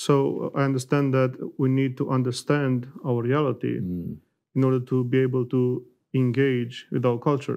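A man's medium-pitched, dark, mellow voice at a fairly slow pace with fairly even intonation, against a quiet background. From Romania. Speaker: lecturer and interpreter; lecturer. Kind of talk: interview interpreting. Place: studio. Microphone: lapel.

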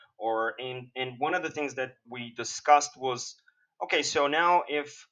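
A man with a Portuguese accent at medium pitch. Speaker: podcast host. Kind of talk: interview.

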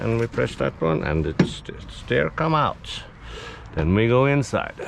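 A man speaks at a fairly slow pace in a dry sound with no echo, over noticeable background noise. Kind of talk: casual vlog chat. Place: car. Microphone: phone near.

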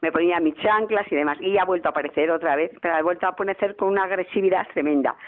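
Speaking at a very fast pace, a woman keeps a fairly low pitch, ordinary pitch variation and very even loudness. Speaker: caller. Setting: phone call.

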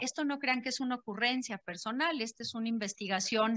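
A woman with a Mexican accent speaks at a fairly high pitch with lively intonation and a bright, sharp tone. The sound is dry with no echo, and the background is quiet. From Mexico. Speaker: academic researcher on women in the Church. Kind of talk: conference talk. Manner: conversational, informal despite academic topic. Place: hall. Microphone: handheld.

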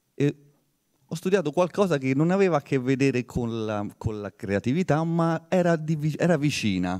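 At a moderate pace, a man with a fairly high pitch speaks with lively intonation against a quiet background. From Rome, Italy; Italy. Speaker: rapper and rap workshop teacher; rap workshop teacher. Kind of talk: inspirational talk. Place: hall. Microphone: handheld.

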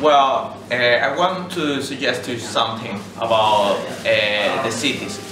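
A man with a Spanish accent at a very slow pace, against noticeable background noise. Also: ordinary pitch variation. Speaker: YouTuber living abroad. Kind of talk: casual interview. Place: cafe. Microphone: camera far.

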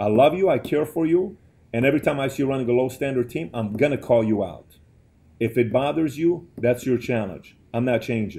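A man's dark, mellow voice at a fairly quick pace, with ordinary pitch variation. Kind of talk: motivational address to team on a call. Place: office.

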